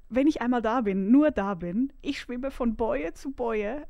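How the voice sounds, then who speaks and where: A woman speaks very slowly in a high pitch. Her tone is dark and mellow. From Switzerland, Küsnacht near Zurich. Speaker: podcast co-host. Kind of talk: casual chat.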